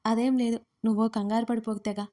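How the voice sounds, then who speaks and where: A woman voicing a shy, nervous young bride in an audio story, speaking softly. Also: on the high side, level tone, brisk, natural voice. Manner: soft, shy.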